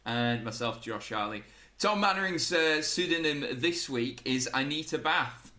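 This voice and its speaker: Male podcast co-host, bright tone, echoey room, chatty and laughing easily. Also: a little high, expressive, a little slow. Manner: chatty, laughs often, many restarts. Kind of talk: casual chat.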